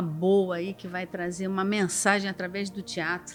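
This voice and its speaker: Speech comes at a fairly slow pace. Music plays in the background. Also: woman. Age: 60s. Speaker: pastor. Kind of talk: casual chat.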